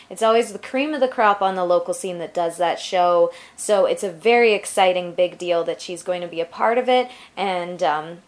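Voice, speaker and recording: A woman talks as a podcast host. Her delivery is informal and chatty, with a gushing, conversational flow and a mid-range voice. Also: mid-range voice. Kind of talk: casual chatty podcast talk.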